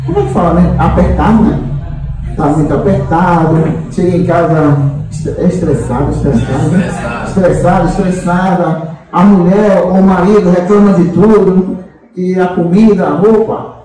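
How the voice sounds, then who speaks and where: A man with a high-sitting voice, talking at a normal speed, gives a spiritual guide's informal talk to a meeting, chatty and teasing, with plenty of tag questions and fillers. Crowd noise is audible. The distant room mic places him far away in a large, very echoey hall.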